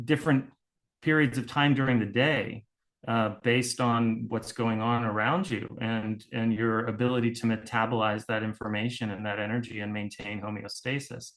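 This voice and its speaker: A man who is a guest expert on voice science, explaining in a measured way and thinking aloud as he goes. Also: mid-range voice, low-quality recording. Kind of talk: explanatory conversation.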